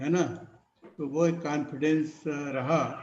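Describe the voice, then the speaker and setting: The speaker is a man. His pitch is fairly high. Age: 60s. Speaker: doctor, spiritual seeker. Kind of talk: testimony. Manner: halting.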